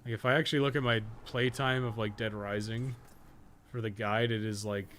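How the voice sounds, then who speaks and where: A man's voice: lowish voice, fairly even intonation, a bit bright. Sweary man chatting through a game stream. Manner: sweary, colloquial, halting, thinking aloud. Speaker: game streamer and guide maker. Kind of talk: casual live game-stream commentary, chatting with viewers. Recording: clear background noise and ambience.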